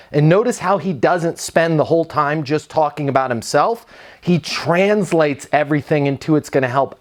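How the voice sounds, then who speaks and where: A man who founded a sales training company, giving energetic, emphatic career advice straight to the camera. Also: fairly high pitch. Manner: energetic, emphatic, punchy coaching delivery. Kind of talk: direct-to-camera advice video.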